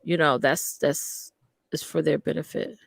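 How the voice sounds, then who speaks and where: A woman's voice: low-pitched, fairly even intonation, unhurried, creaky, slightly rough, dry recording. A woman co-hosting a live stream, chatting in an emphatic, friendly way. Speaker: co-host of a live stream show. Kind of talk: casual live stream chat.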